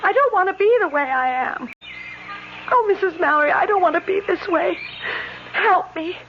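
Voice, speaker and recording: A woman's voice: extremely high pitch, lively intonation, moderate pace. A woman playing an earnest, pleading young disabled sister in an emotional radio drama. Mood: desperate pleading. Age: young adult. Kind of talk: 1970s radio drama acting. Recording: dull lo-fi old radio recording, faint hiss.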